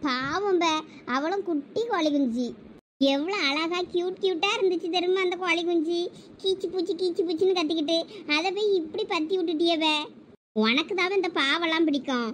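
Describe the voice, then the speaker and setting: Woman doing a gentle Thoothukudi Tamil sister. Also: very high voice, fairly quick, a little hiss or hum. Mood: pleading. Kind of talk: village comedy skit.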